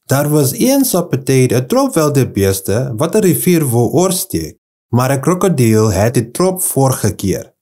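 A man's voice: mid-range voice, very animated, measured pace, dark tone. A man reading a children's story as narrator in a child-friendly style.

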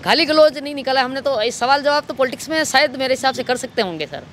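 Outdoors in an office compound, a local political party worker with a Rajasthani accent recounts an incident into a reporter's handheld microphone, faint street noise behind him. His high-pitched voice is animated, quick and fairly bright.

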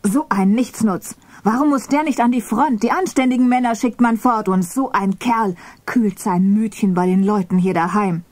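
A woman's voice: medium pitch, normal speed, a little mellow, no room sound, close to an everyday voice. A woman voicing an angry old farmer father who raises his voice in outrage while reading a story aloud. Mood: outraged.

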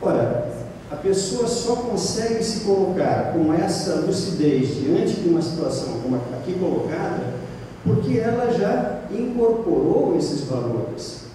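A man's voice: high voice, sing-song, measured pace, dark tone, distant mic, slight background noise. Middle-aged man lecturing in an echoey hall. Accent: Brazilian Portuguese. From Brazil. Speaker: spiritist lecturer. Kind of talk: spiritist lecture. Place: lecture room at a spiritist center. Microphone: stand mic, filmed from across the room.

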